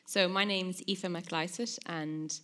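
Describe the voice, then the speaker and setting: Irish woman scientist, lowish voice, wry and light. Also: steady tone, slow, sharp tone. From Ireland. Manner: light, self-mocking. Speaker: geneticist, panelist. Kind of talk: live panel discussion.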